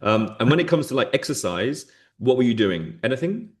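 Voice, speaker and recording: A man, a fitness coach, interviewing his client in a relaxed, conversational way, full of "sort of" and "like". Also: medium pitch, brisk. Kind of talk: casual interview questions.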